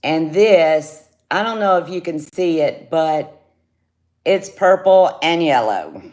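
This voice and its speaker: A woman's voice: deep voice, animated, a little mellow. Lady doing a jewelry livestream, chatty, says hi to viewers, takes her time. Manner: chatty, greets viewers by name, slow and unhurried. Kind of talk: casual live sales chat. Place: home studio, indoors.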